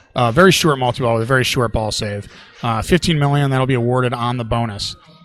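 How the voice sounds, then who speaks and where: Music sounds in the background. A man speaks at medium pitch and a fairly quick pace. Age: 60s. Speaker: pinball commentator. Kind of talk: live commentary. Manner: animated.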